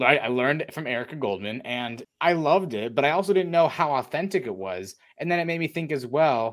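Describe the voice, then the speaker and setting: An enthusiastic tone with lively intonation at a fairly quick pace. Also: man, fairly high pitch for a man, very clean recording, silent background. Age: 20s. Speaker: podcast host. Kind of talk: interview.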